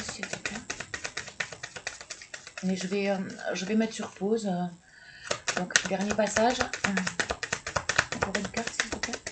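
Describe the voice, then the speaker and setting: Slow, hesitant male card reader. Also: high-pitched. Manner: slow, hesitant, with many fillers and repeated words; encouraging and congratulating the viewer. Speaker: tarot and oracle card reader. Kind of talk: card reading for viewers. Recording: clear background noise.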